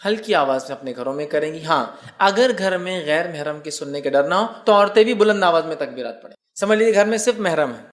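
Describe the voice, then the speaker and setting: A male preacher whose voice sits a little higher than most men's. He explains carefully, repeats key phrases and slows down to recite devotional formulas. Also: expressive, fairly bright tone. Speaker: Islamic preacher. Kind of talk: sermon.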